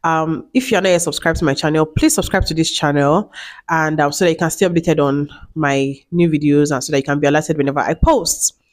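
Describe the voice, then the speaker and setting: A woman's voice: low voice, fairly even intonation, a little fast. Chatty woman in her late twenties. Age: 20s. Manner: chatty, repeats herself, many fillers. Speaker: vlogger. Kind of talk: casual talk to camera.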